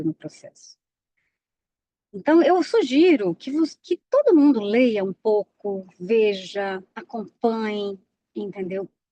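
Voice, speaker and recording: A woman speaks very slowly at medium pitch in a dark, mellow tone. Her intonation is lively, and the sound is dry and close with no echo. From Pernambuco, Brazil. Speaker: physician and speaker on health AI. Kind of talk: lecture.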